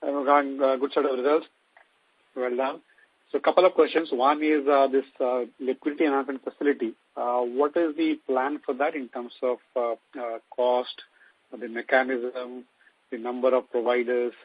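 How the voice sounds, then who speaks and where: A man, an analyst asking questions haltingly on an earnings call. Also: mid-range voice, level tone, husky, no echo. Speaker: caller, financial analyst. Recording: dull, dry conference call line.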